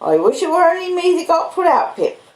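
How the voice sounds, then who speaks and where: A woman voicing a kindly, humble working-class English blacksmith in a storybook, with gentle, apologetic rustic speech. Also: very high voice, big pitch swings, fairly quick, reverberant, pitched above the performer's own voice. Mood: tender, apologetic.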